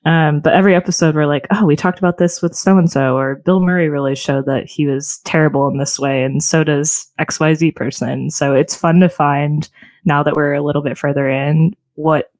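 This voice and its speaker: A woman guest in a casual interview, explaining things in a friendly, steady way. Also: low-pitched, normal speed, no echo. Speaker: podcast co-host and marketer.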